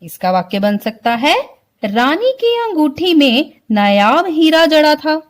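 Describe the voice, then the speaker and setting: A woman teacher giving a slow online vocabulary lesson to children, explaining words one by one and often checking that they understand. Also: sits high, very animated. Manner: slow, explains word by word, keeps asking if clear. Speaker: school Hindi teacher.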